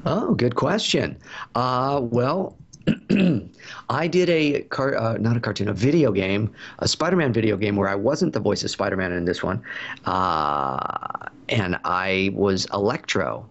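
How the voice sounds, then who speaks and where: Lower-pitched man with a gravelly edge, chatty storyteller with lots of fillers, heard over a dull lo-fi line. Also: expressive, unhurried, fairly bright tone. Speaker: voice actor guest. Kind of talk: casual interview answers.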